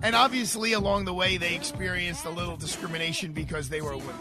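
A man's voice: sits high, fairly even intonation, fast, over music. A man hosting a live radio talk show, introducing and interviewing a guest with effusive energy.

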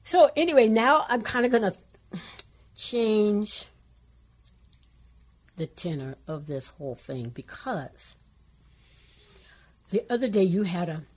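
An older woman co-hosting a Christian radio show, telling everyday stories in a lively way with a voice that carries. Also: mid-range voice, slow, long pauses. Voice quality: carrying voice. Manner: lively storytelling, bursts into song. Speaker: radio co-host, pastor's wife. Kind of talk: casual chat on Christian radio.

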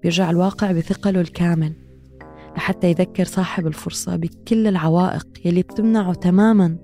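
A woman's voice: lowish voice, dark tone. A woman with a Levantine Arabic accent, hosting a podcast and narrating in a reflective, introspective way. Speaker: podcast host. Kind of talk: scripted narration.

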